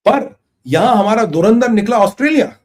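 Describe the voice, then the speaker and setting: Casting: male host of a political commentary show, sarcastic and theatrical, higher-pitched voice. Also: animated, brisk, a little mellow. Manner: mocking, theatrical, acts out quotes.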